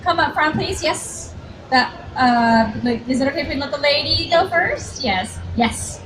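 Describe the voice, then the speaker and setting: A woman's voice: high voice, animated, measured pace. A woman moderating a convention Q&A, chatty and upbeat, calling on fans one by one. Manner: chatty, upbeat, directs the queue. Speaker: panel moderator. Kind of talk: hosting a convention Q&A. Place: large convention hall. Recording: echoey hall, distant mic, crowd noise.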